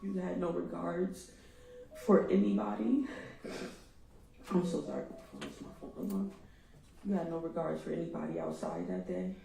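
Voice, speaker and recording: Low, gravelly and warm, this woman's voice is animated at normal speed and pauses often. As the victim's middle-aged mother, she speaks straight to the defendant in a raw, emotional impact statement, recorded distantly in an echoey courtroom with slight background noise.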